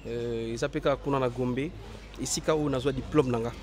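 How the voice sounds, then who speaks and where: Hoarse young man, hesitant interview talk. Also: medium pitch, fairly even intonation, a little fast, slight background noise. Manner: hesitant, many fillers and restarts. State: hoarse from a cold. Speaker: interview guest, actor. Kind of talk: casual interview, mixing French and Lingala.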